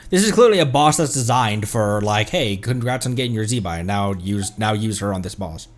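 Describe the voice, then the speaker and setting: A man's voice: on the low side, animated, brisk. A man streaming a game, rambling casually and thinking aloud to his viewers. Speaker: streamer, VTuber host. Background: music.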